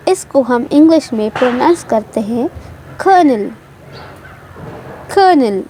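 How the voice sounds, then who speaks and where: Slow, high-voiced woman teaching pronunciation. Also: dark tone, slight background noise. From Pakistan. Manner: repeats each word slowly for emphasis. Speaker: English teacher. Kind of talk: slow careful pronunciation lesson.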